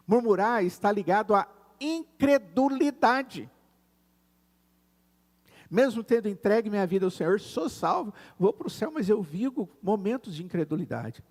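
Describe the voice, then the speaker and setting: A Brazilian man preaching a sermon in a church sanctuary. His voice sits on the high side, and the reverb of the big room trails after each phrase. He talks earnestly and slows down to lean on his key words. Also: darkish tone. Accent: Brazilian Portuguese. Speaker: pastor.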